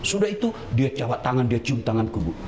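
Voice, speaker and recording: A fast-talking man with a medium-pitched voice preaches a sermon in an animated, teasing way, joking with the crowd and firing off rhetorical questions. The recording comes from an echoey hall with background noise.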